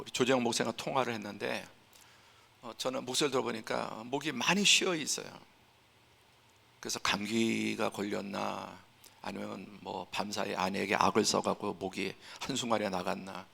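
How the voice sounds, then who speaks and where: A male pastor preaching a Sunday sermon, emphatic and building to forceful peaks, sometimes dropping to a hushed voice to act out scenes. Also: medium pitch, creaky. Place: church sanctuary. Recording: reverberant church hall.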